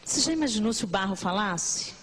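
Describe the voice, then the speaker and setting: A Brazilian woman preacher delivering a lively sermon to a congregation, with a broadcast church-service feel. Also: medium pitch, fast talker, a little hiss or hum. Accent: Brazilian Portuguese. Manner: animated, acts out complaining believers in mock voices.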